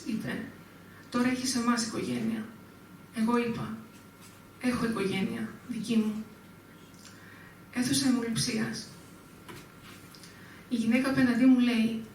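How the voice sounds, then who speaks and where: A woman reads her poems aloud at a literary event in a fairly high, level voice that barely rises or falls. She is caught from a distance in a strongly reverberant room, with faint ambience underneath. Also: slight background noise. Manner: measured, flat, even delivery. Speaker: poet reading own work. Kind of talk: live poetry reading. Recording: very echoey room, speaker far from mic.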